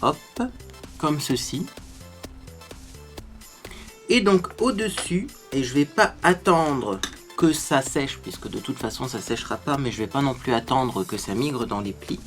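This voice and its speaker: A man with an ordinary mid-range voice hosts a casual beauty tutorial. He chats to his viewers as he works and explains each step. Soft music plays faintly underneath. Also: medium pitch, a little slow, long pauses. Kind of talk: casual makeup tutorial talk.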